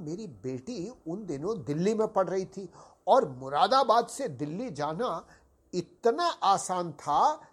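An older man from Uttar Pradesh with a sore, hoarse throat, hosting a podcast and telling a story in a formal, courteous way, addressing his listeners as sahib. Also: high voice. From Uttar Pradesh, India. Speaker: podcast host. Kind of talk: slow reminiscing storytelling.

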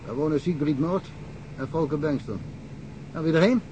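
Guy voicing a chatty middle-aged country cop in a radio play, kinda high voice, dry jokes, little hiss behind. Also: normal speed, close to an everyday voice. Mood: amused, chatty. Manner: talkative, wry storyteller, chuckles often. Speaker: local police detective. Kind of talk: radio drama acting.

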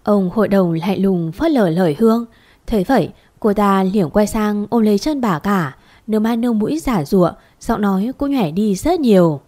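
A woman tells a melodramatic family story at a middle pitch. She reads the narration steadily and carries the drama without stepping out of the narrator's voice. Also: animated, normal speed, warm tone.

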